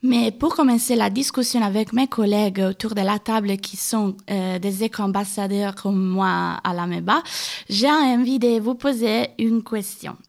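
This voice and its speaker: A woman from Sardinia, Italian by first language, presenting a radio programme in French in a steady, scripted way. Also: mid-range voice, normal speed, vocal fry. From Sardinia, Italy. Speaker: radio host.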